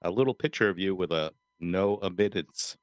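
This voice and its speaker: A man's voice: deep voice, moderate pace, no room sound. A man co-hosting a radio show in a studio, teasing the host with snarky remarks. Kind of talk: casual studio banter.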